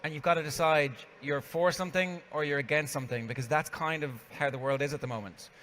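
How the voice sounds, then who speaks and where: A man's voice: fairly high pitch, steady tone, fast talker, a bit bright. A man interviewing a guest on a conference stage in a conversational way, laying out context before he asks his questions. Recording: reverberant hall with faint background noise.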